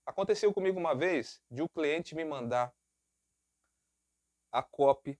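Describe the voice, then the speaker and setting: A man's voice: on the high side, animated, a little mellow, no echo. Brazilian male narrator, casual advice tone, slightly raised voice, dry. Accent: Brazilian Portuguese. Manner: chatty, acts out client dialogue in quick asides. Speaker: voice-over narrator giving advice. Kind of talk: casual advice talk to camera.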